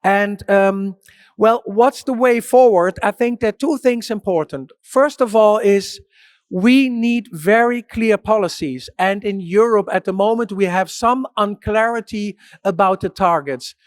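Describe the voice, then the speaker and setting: A man with a notably high voice gives an ordered conference presentation, laying out his points one by one. The recording is dry and close. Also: a little slow, no room sound. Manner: structured, policy-focused delivery. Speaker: conference speaker.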